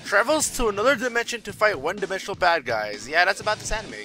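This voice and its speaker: A man's voice: sits high, animated, fast, pushed and bright, soft background music. A man giving a casual, opinionated video review as host, irreverent, sarcastic and slangy in his delivery.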